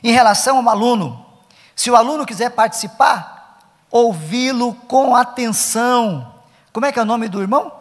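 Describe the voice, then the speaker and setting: At a church conference, a middle-aged Brazilian Portuguese-accented man speaks to Sunday school teachers, stressing and restating his key points. His high voice carries a big-room sound.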